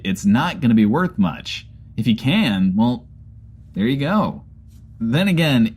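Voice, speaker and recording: A man plays a post-apocalyptic radio host answering mail in a lofty, mock-formal voice. His pitch leaps and dips with lively swings. He stays bemused and grandiose throughout.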